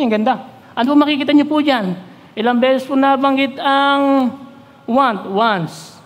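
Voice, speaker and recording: A man with a Filipino accent preaching a sermon as pastor, reading verses slowly and then putting questions to the congregation. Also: very high voice. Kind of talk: Taglish sermon. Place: church. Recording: long church-hall reverb.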